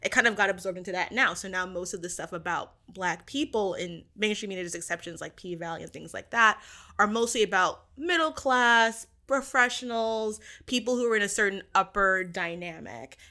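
Female interview guest, bright crisp-edged tone, casual but articulate, analytical conversational commentary. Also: mid-range voice, moderate pace.

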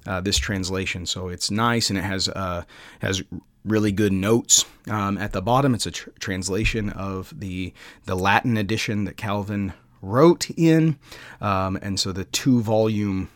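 A man hosting a podcast, talking casually and haltingly, with frequent pauses as he recommends books. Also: lowish voice, dry recording, studio quality. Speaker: podcast host.

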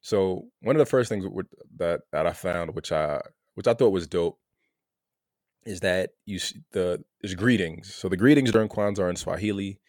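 A Haitian American man talking through his thoughts in a relaxed conversation, often repeating words as he searches for them. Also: deep voice, moderate pace, dry recording, studio quality. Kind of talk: casual conversation.

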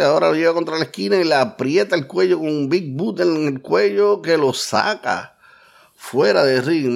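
A man's voice: on the high side, vocal fry. A man doing blow-by-blow wrestling commentary, repeating phrases for emphasis.

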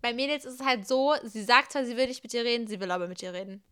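Bright-voiced young woman reading a story game. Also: on the high side, fast talker, clean tone, dry recording, clean studio sound. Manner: laughing, playful, reads dialogue aloud. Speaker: podcast co-host.

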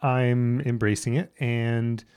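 A woman in her fifties in casual conversation, playful and quick to laugh at her own jokes. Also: extremely low pitch, steady tone, darkish tone, clear, resonant tone. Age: 50s.

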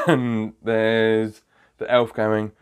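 A man's voice: on the low side, flat delivery, very slow, clear, resonant tone. Chatty man telling a comic story. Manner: chatty, laughs often, digresses. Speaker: magician podcast host.

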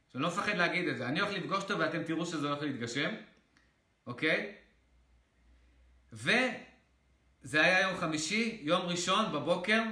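Man, casual storytelling to viewers, bright forceful voice, animated and excitable, swears at times, echoey room. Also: fairly high pitch. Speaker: motivational creator.

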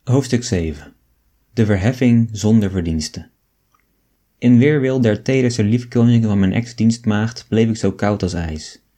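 A man reading an old novel aloud as an audiobook, in a measured storytelling way. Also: fairly low pitch, mellow. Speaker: audiobook reader.

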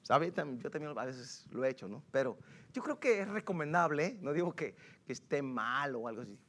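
A man preaching a sermon as pastor, animated and laughing between points, often checking in with the congregation. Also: on the high side, fairly quick. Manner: animated, tags phrases with questions to the congregation.

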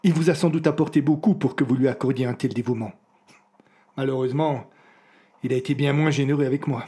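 An actor playing a weary, skeptical amnesiac man in an audio drama, polite and resigned in manner, with a slightly breathy voice. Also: mid-range voice, fairly even intonation, fairly quick, warm tone, lightly acted.

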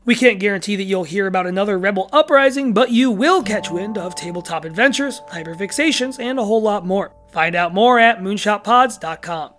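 High-voiced man reading podcast credits. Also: lively intonation, fairly quick, few pauses, a bit bright, soft background music. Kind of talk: scripted narration.

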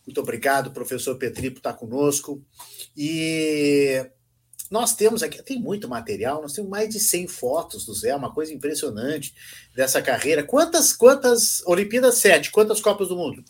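A man's voice: a little high, expressive, moderate pace, husky. A man from Rio do Sul hosting a casual interview, steering the conversation and greeting listeners. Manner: friendly, guides the talk and greets listeners. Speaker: interview host.

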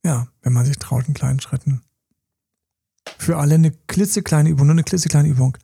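A man's voice: a little high, brisk, creaky, slight background noise. A man co-hosting a podcast, giving casual, slangy relationship advice and acting out small quoted scenes. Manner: animated, acts out little quoted scenes; colloquial, slangy. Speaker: podcast co-host. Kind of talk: casual coaching talk.

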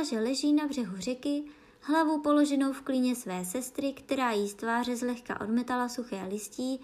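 Woman, storybook narrator, slightly high voice, calm, expressive reading aloud.

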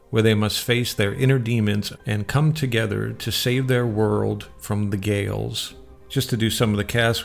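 A man's voice: medium pitch, gravelly. A man hosting a radio show, presenting and partly reading from notes in an informal way.

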